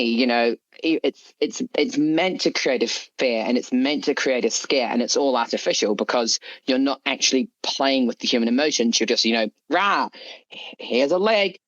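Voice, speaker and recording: A man with a mid-pitched voice speaks as a guest author in a casual interview. He thinks aloud and adds frequent asides. The recording is a little dull and lo-fi. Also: normal speed, a bit bright.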